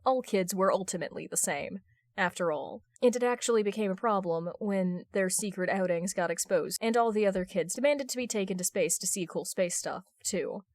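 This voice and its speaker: A woman's voice: medium pitch, brisk, darkish tone, dry recording, clean studio sound. A woman reading scripted fan fiction narration as an audiobook narrator.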